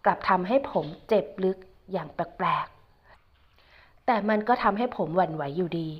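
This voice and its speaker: A woman narrating a first-person audio story as a young man, in a slow, hushed and sorrowful way. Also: fairly low pitch, breathy edge. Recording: dull lo-fi recording.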